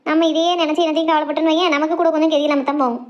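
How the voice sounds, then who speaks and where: Woman acting an easygoing old village aunt, high voice. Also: flat delivery, rapid-fire, lo-fi sound, close to an everyday voice. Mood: placating. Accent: southern Tamil Nadu. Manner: placating, philosophical. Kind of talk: cartoon comedy drama dialogue.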